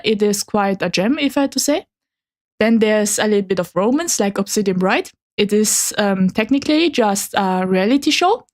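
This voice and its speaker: A woman whose first language is Chinese, chatting casually and a little awkwardly as a new VTuber streamer presenting slides. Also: medium pitch. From Germany. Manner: hesitant, slightly awkward, apologetic.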